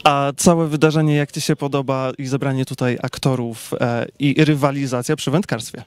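A man's voice: medium pitch, fairly even intonation, moderate pace, smooth. A young man, asking interview questions outdoors as a TV reporter with a handheld microphone. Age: 20s. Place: outdoors in a garden with trees.

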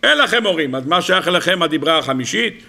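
A man, a rabbi, teaching a Torah lesson to an audience, firing rhetorical questions in a teasing, animated way. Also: on the high side, creaky.

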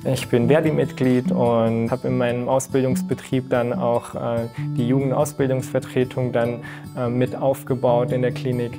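A man's voice: medium pitch, little pitch movement, moderate pace. A man from Iran giving hesitant interview answers with fillers in a studio, wearing a lapel mic. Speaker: scholarship holder. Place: studio against a colored backdrop. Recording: guitar music underneath.

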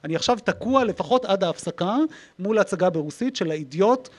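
A man in his forties with an Israeli accent, hosting a live interview and telling anecdotes in an expressive, emphatic way. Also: high voice. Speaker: host, interviewer. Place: public talk in a library room. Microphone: handheld microphone.

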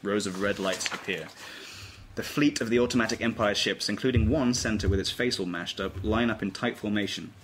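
A man's voice: lowish voice, brisk. A man giving scripted narration, reading stage directions at a table read. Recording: faint room noise.

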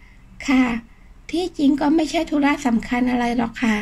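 A woman voicing a polite, cautious young woman who speaks softly and hesitantly, in an audiobook. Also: high-pitched, normal speed, gravelly, breathy edge, exaggerated voice.

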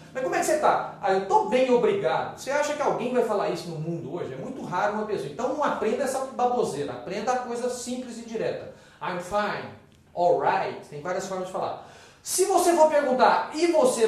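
A Brazilian man teaching English in a video lesson, lively and opinionated, slowing down to model phrases. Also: high-pitched, recorded from a distance. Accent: Brazilian Portuguese. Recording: echoey room, off-mic.

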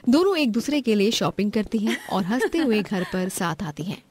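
A woman's voice: mid-range voice, big pitch swings, moderate pace, a little mellow, a little hiss or hum. A woman narrating a scripted family story as its storyteller.

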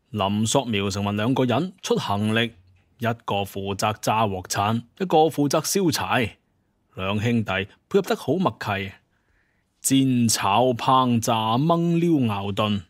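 A man's voice: on the low side, no echo. Male storyteller, dry close recording. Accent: Hong Kong or Guangdong Cantonese. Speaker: narrator. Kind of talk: colloquial scripted story narration.

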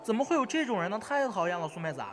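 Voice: mid-range voice, very animated, over music, natural voice. A performer in an amateur radio drama playing a hyperactive young male gamer who chatters, repeats words and badgers indignantly. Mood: excited, indignant. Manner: rapid-fire, repetitive, badgering.

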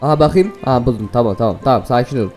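A man hosting a gaming video, giving excited, playful commentary to viewers and laughing often. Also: medium pitch, racing, faint music behind.

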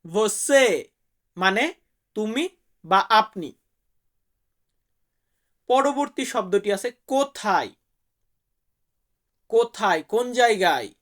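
A man's voice: sits high, animated, drawn-out words, pauses often, a bit bright. A man from Bangladesh, teaching vocabulary to viewers and repeating each word so they can say it back. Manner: friendly, calls viewers brother. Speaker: language teacher.

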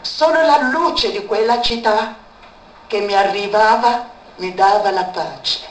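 Slow-speaking woman giving an echoey testimony. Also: medium pitch. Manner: repeats words for emphasis. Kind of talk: emotional spoken testimony. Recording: echoey room, far from mic, faint background noise.

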